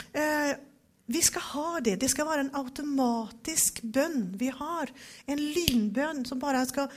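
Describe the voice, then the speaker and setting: A woman giving a devotional Bible teaching, reading verses slowly and with emphasis, then talking them over. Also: high voice.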